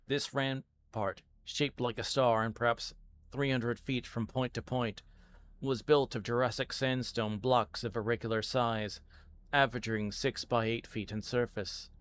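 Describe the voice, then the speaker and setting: A man reading a story aloud live in audiobook style, halting now and then and stumbling over words. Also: mid-range voice, steady tone, a bit bright, clean tone.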